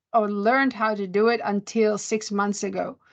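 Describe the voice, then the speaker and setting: This woman talks at a fairly slow pace with a non-native accent. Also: quiet background. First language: not English. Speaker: workshop attendee. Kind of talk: casual discussion.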